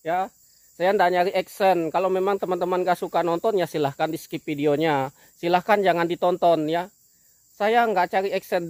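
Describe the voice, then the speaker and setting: Farmer-vlogger, male, slightly high voice, one sound mispronounced, dry close sound, apologetic and repetitive. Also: a little mellow, no echo. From Kalimantan, Indonesia. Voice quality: speech impediment, cannot pronounce one sound. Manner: apologetic, repetitive, fills pauses with "nah". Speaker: oil palm farmer and vlogger. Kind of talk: casual talk to camera. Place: outdoors in an oil palm plantation.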